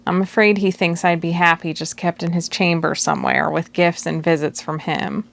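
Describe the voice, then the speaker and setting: Earnest nervous young woman, voiced by a woman reader, low pitch with vocal fry. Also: steady tone, normal speed, fairly bright tone.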